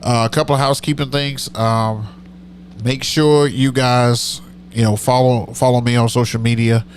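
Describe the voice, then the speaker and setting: A man's voice: mid-range voice, little pitch movement, moderate pace, slight background noise. A middle-aged man with a nasal voice, hosting a live stream as a DJ, chatting casually and rambling as he answers comments. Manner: rambling, self-correcting, chatty.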